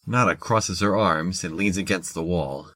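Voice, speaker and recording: A man narrating a scripted audio drama in a measured, descriptive storytelling manner. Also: sits low, fairly bright tone, no echo.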